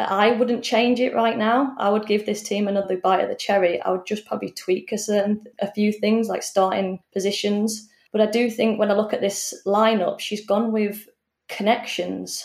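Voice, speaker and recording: A woman speaks in a normal speaking voice at a moderate pace, with fairly even intonation and hardly any pauses. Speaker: footballer and pundit. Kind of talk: panel discussion and analysis.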